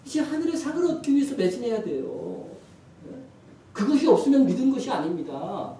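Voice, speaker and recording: Male pastor, high voice, forceful sermon, heavy reverb of a large sanctuary. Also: very animated, brisk, creaky. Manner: emphatic exhortation that swells to loud appeals. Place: church sanctuary. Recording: echoey church hall from far off.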